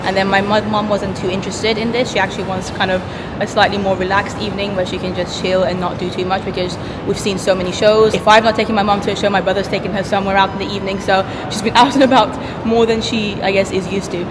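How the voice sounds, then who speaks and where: A woman's voice: medium pitch, flat delivery, quick pace. A woman chatting casually to camera for her vlog, rambling a little with restarts, out on a busy city street. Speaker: theatre vlogger. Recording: loud street traffic noise. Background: traffic and city sounds.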